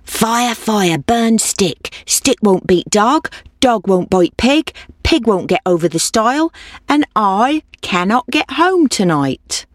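A fretful old woman chants her pleas over and over in a lively, dry voice, as a woman reads her aloud. The sound is close and without room echo. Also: on the high side, takes it slowly, pitched above the performer's own voice. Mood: pleading. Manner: repetitive, sing-song pleading.

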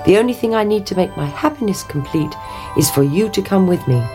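A woman's voice: mid-range voice, animated, a little fast, pitched above the performer's own voice, lightly acted. A woman voicing a freed young prince who speaks earnestly, with music behind. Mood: joyful. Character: young prince, gentle and joyful. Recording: music playing underneath.

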